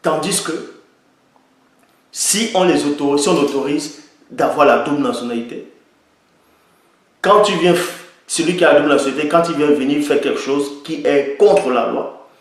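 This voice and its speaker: A man giving an opinion monologue and citing the Bible, emphatic and repeating his points for stress. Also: mid-range voice. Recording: very echoey room.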